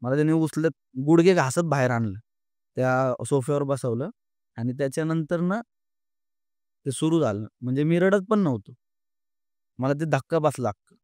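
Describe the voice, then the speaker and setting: A man's voice: a little high, a little mellow, dry recording, clean studio sound. Earnest young man. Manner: earnest, halting, many fillers and restarts. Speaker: podcast guest. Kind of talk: emotional storytelling in an interview.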